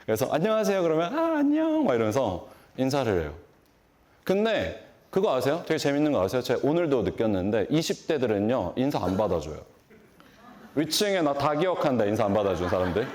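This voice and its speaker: A man's voice: medium pitch, a little fast. A man in his forties giving a keynote talk at a large conference, asking the audience questions and acting out greetings. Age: 40s. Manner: animated, asks the audience questions and acts out greetings. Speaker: beauty industry lecturer.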